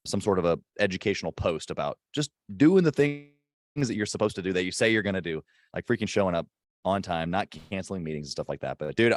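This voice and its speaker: Deep-voiced man hosting with dry sound. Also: no echo. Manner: emphatic, hyped-up, kept quiet in a public spot. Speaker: podcast host. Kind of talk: casual interview chat. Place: airport.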